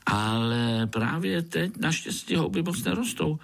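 Timid little spider boy, shy and stammering, slightly raised, husky, voiced by a man. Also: on the high side, animated, voice pushed up. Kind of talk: storybook reading.

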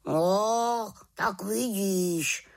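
A woman voicing a wise, grumbling male raven in a storybook reading, with a croaking, lecturing manner. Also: mid-range voice, voice pushed up, natural voice. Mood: scolding. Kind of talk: audiobook character reading.

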